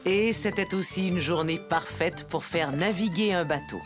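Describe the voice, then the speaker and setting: A woman playing a gentle storyteller, narrating a children's cartoon in a storybook manner. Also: on the low side, moderate pace, over music, lightly acted. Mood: soothing.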